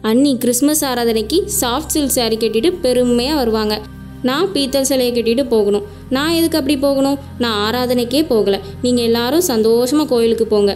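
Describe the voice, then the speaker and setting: Young female voice, high, actress playing a crying daughter, aggrieved and complaining. Radio drama. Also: brisk, a little mellow, faint music behind, close to an everyday voice. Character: hurt married daughter, resentful and tearful.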